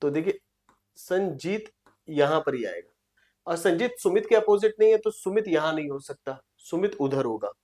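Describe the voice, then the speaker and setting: A woman teaching a seating-arrangement reasoning lesson online, reading problem lines slowly and checking in with her students. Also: on the low side, lively intonation, dark tone. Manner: reads problem lines slowly and repeats them, checks with "clear?". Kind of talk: online exam-prep lesson.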